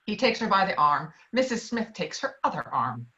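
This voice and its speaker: A woman's voice: on the low side, very animated, normal speed, sharp tone. A woman reading screenplay stage directions as scripted narration, heard through slightly dull online audio.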